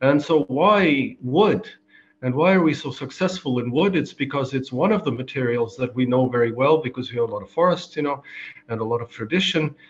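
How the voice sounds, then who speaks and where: Fairly quick, somewhat breathy speech from a man, his pitch varying in an ordinary way. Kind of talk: formal welcome speech. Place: office. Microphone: webcam.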